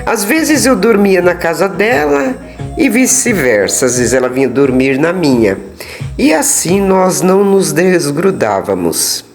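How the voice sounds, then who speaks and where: A woman with a Brazilian Portuguese accent narrating a suspense story in a dramatic storytelling manner with drawn-out words. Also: fairly low pitch, big pitch swings, music in the background. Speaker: storyteller, channel host. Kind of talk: scripted horror story narration.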